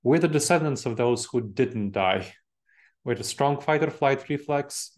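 A man's voice: medium pitch, lively intonation, unhurried. A man in his forties with an Eastern European accent, from Moldova, giving an online talk to professionals from a home office with bookshelves, chatty and engaging with a live chat. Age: 40s. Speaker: speaker. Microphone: webcam video call with earbuds.

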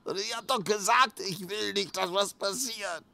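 A man's voice: high voice, moderate pace, vocal fry, sharp tone, slight background noise, exaggerated voice. An actor playing a creepy, wheedling male killer in a radio play, coaxing and giggling, swinging into panic. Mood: panicked.

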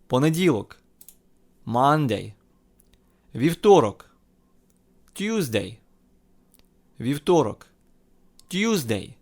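A man with a Ukrainian accent teaching an English lesson, patiently repeating each word twice for students to say aloud. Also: medium pitch. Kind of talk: language lesson, repeat-after-me drill.

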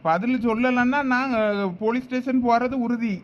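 Guy doing a complaining brother, thoothukudi accent, really high-pitched for a man. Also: steady tone, normal speed, dull audio. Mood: insistent. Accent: Thoothukudi Tamil. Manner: insistent, complaining. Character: aggrieved middle-aged brother demanding his property. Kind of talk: village comedy skit acting.

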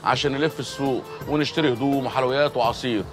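Actor playing a fawning Egyptian servant. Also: male voice, mid-range voice, steady tone, music in the background, lightly acted. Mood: eager. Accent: Egyptian Arabic. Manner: rapid, obsequious.

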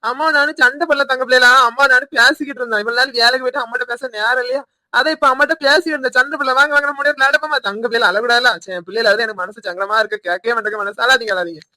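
A man voicing an idle village husband in debt, talking fast and defensively with a Tirunelveli Tamil accent, in an animated cartoon. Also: extremely high pitch, no room sound, full character voice. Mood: coaxing.

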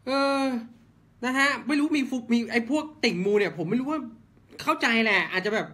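A man's voice: very high voice, pushed and bright. A man ranting blunt football commentary, heated and swearing, firing off rhetorical questions. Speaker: football fan channel host.

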